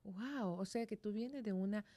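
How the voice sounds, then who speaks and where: Middle-aged lady host on christian radio, gushy, lots of blessings n wows, mid pitch. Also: moderate pace, mellow. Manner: effusive, repeating blessings and exclamations. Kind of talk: radio interview. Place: radio studio.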